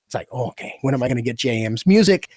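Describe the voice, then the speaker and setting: A man with a mid-pitched voice chats casually and with enthusiasm. He is effusive and informal, and the sound is dry, with no room on it. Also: expressive, quick pace, darkish tone, no room sound. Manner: effusive, informal, full of praise. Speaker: podcast team member and story creator.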